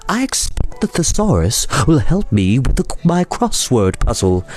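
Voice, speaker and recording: A man voicing Owl, a pompous, self-important old male owl who speaks slowly and deliberately. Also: mid-range voice, sing-song, a little mellow. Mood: condescending.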